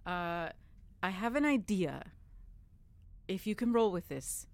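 A woman taking part in a tabletop role-playing game, speaking excitably. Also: medium pitch, takes it slowly, dry recording. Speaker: player. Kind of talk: tabletop role-play as a character.

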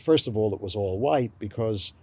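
Older man, mellow and rambling. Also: on the low side, lively intonation, slightly rough. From New York. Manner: slow, rambling recollection with fillers. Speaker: author. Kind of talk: oral history interview.

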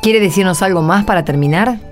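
An Argentine woman presenting a religious radio programme, with scripted, measured and clearly phrased delivery. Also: mid-range voice. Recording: music bed behind the voice.

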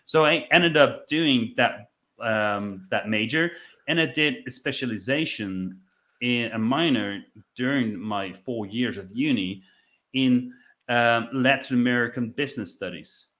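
A podcast guest who runs a business, this man in his thirties from the Netherlands speaks with a Dutch accent in a medium-pitched, slightly bright voice. Reflective and conversational, he tells his story with halting phrasing and repeated words.

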